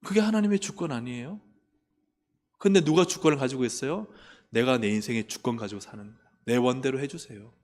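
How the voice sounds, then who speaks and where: A man's voice: medium pitch, fairly quick, a little mellow. A male pastor preaching a sermon. He keeps asking the congregation questions and acts out complaining prayers in a raised voice. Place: church sanctuary. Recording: long reverb of a church hall.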